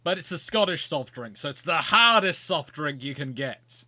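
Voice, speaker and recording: Bright-voiced Surrey Englishman streaming a game. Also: a little high, animated, normal speed, no echo. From England. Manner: chatty, jokey, thinking aloud with restarts. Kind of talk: casual live gameplay commentary.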